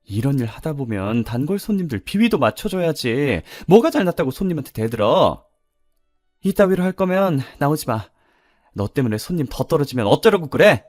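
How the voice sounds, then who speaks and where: A man's voice: fairly high pitch, big pitch swings, moderate pace, dry recording, clean studio sound, soft background music, voice pushed up. A man voicing a harsh female restaurant owner scolding her employee, in a read-aloud story. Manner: scolding, sharp.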